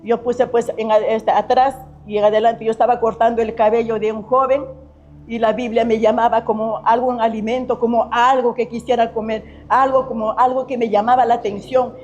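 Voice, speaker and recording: A woman's voice: a little high, little pitch movement, brisk, darkish tone. A middle-aged woman tells her personal faith testimony in an earnest, repetitive way, often restarting her sentences. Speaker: testimony giver. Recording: slightly muffled recording with faint music.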